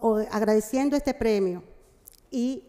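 Middle aged latina lady, mixing portuguese and in a speech, hesitant, soft dark tone, big echoey hall. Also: a little high. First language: Spanish. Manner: mixes Portuguese with Spanish (portunhol); halting, with frequent hesitations. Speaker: representative of a migrant community organization. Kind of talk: formal acceptance speech. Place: large wood-panelled legislative chamber, indoors. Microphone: gooseneck desk microphone. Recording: echoey hall with long reverb.

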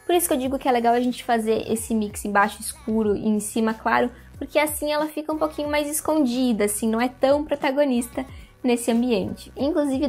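High-voiced young woman giving chatty home tips. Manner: chatty, animated hand gestures, addresses viewers directly. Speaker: interior design video host. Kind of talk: casual tips to camera. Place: indoor room with curtains and plants. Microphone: lapel mic.

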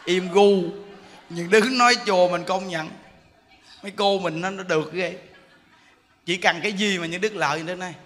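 A man giving a jokey, animated Buddhist sermon in a large temple hall, often laughing while he speaks. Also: sits high, moderate pace, long pauses. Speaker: Buddhist monk giving a dharma talk.

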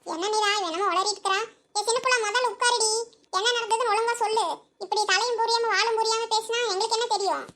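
Chatty village woman, cartoon, very high squeaky voice, bright and sharp, quick gossiping. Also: steady tone. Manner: chatty, fussing, teasing scolding. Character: chatty village women gossiping, homely and fussing. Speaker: cartoon character.

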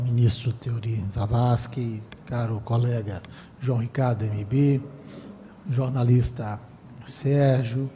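A man's voice: mid-range voice, warm tone. Formal man at a panel mic. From Brazil. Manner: measured, formal, with frequent restarts. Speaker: panel speaker, council member. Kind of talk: formal seminar speech. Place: conference room with panel table. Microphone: table microphone. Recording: long hall reverb, faint room noise.

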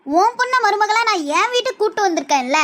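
A woman's voice: very high-pitched, expressive, fast, heavy background noise. A woman voicing a scolding, fed-up mother-in-law in a cartoon, nagging and wailing at her daughter-in-law. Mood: indignant. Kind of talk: cartoon voice acting.

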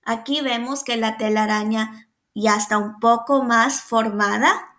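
A woman preschool teacher reads a picture book aloud at an unhurried pace, pausing to quiz her young listeners and praise their answers. Her voice sits high and sounds bright and crisp. She sounds out the animal noises with lively energy. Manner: patient, asks the children questions and praises them.

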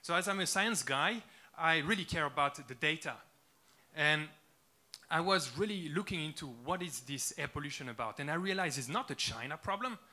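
A man in his thirties with a French accent, giving an earnest startup pitch on a conference stage into a handheld mic, with frequent "uh" fillers. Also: expressive, normal speed, pushed and bright. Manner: earnest, eager, with many "uh" fillers. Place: large dark conference stage with audience.

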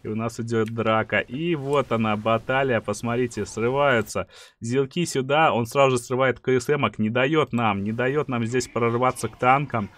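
A man in his thirties narrates a strategy game like a sports commentator, in a mid-pitched voice. He is emphatic and animated, repeating short phrases as he goes. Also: normal speed. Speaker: gaming streamer. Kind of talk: excited play-by-play game commentary. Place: small dim room indoors.

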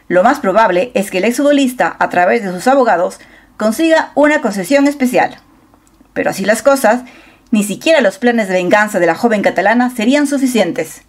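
Female narrator, mid-pitched voice, scripted celebrity news, dramatic gossipy delivery, close voice-over mic.

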